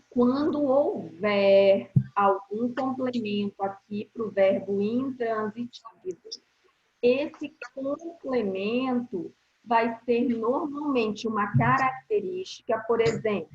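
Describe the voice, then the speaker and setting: A woman teacher with a Brazilian Portuguese accent, explaining grammar to schoolchildren in an online class, speaking slowly and deliberately and often checking whether they follow. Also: a little high. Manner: slow, deliberate explaining with frequent check-in questions. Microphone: video call. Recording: roomy, slightly dull video-call audio.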